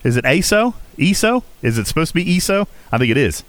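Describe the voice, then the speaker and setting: Lively, animated man hosting a livestream. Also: a little high, fast talker, no echo. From Virginia, USA. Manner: talkative, reads and answers viewer chat, keeps asking "okay?". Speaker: livestream host. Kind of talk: casual gaming livestream chat.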